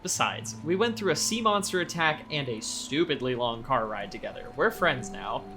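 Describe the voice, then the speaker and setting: A man's voice: medium pitch, expressive, normal speed, background noise, lightly acted. An actor playing a friendly, easygoing young man from an island town in an audio drama, casual and reassuring. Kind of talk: naturalistic audio drama acting.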